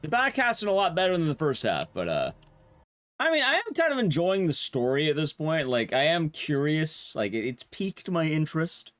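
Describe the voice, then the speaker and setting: High-voiced, animated male game streamer. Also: normal speed. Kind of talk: casual game commentary.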